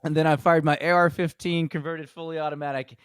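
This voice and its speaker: A man's voice: a little high, little pitch movement, a little fast, smooth, no echo, studio quality. A man hosting a comedy podcast, reading notes, swearing and joking with friends. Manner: profane, joking, laughing often. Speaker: podcast host leading the episode.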